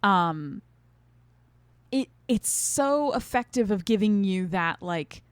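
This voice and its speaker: A woman co-hosting a podcast, explaining her opinions in a casual, animated way with lots of "like" and "right?". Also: medium pitch, slow, smooth, no echo. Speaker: podcast co-host. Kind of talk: casual conversational review.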